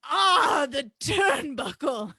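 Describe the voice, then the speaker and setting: A brash, boastful male wrestler played by a woman cuts a promo in a high, dry-sounding voice. The delivery is slow and emphatic, full of crude taunts and grand self-praise. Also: big pitch swings, sharp tone, no echo, shouting, full character voice. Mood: boastful, grandiose. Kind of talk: staged reading of wrestling promos.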